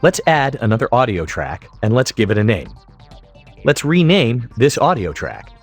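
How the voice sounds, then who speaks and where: A middle-aged man giving scripted tutorial narration in a deliberate, emphatic way. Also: mid-range voice, wildly swooping pitch, breathy edge, soft background music. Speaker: software tutorial instructor.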